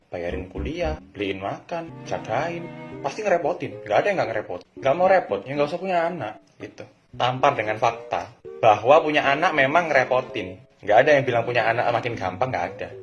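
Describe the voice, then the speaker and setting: A young man giving casual, preachy advice to parents and kids, animated and lively in delivery. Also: mid-range voice, muffled recording. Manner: animated, preachy, acts out quotes. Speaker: vlogger.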